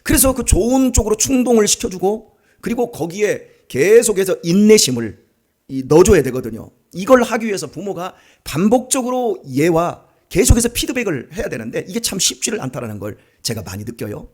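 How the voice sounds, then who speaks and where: A man's voice: high voice, fairly quick. A middle-aged male pastor giving an early morning sermon, acting out family dialogue as he talks. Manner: animated, acts out family dialogue.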